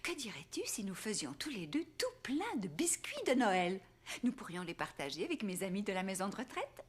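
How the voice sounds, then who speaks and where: A woman voicing a kindly, cheerful grandmother in a children's cartoon, gentle and encouraging. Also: mid-range voice, sing-song, brisk, natural voice. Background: music.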